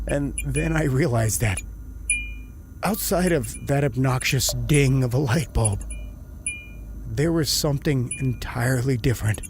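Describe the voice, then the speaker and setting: An actor playing a terrified male prisoner in a horror audio drama, brooding and halting as he recounts solitary torment and slips into panic. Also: medium pitch, slight background noise, lightly acted. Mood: hushed, brooding. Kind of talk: first-person horror audio drama narration. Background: music.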